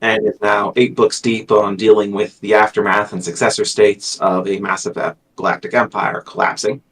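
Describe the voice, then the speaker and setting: A man's voice: lowish voice, little pitch movement, normal speed, a bit bright, far from the mic, low-quality recording. A man speaking as a guest author in a casual livestream chat, with a dry, self-deprecating manner. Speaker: guest, science fiction author.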